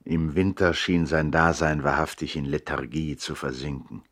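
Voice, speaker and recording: An actor playing a reflective brother who narrates a 1960s German radio play in a measured, articulate, literary way. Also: male voice, extremely low pitch, steady tone, fairly bright tone.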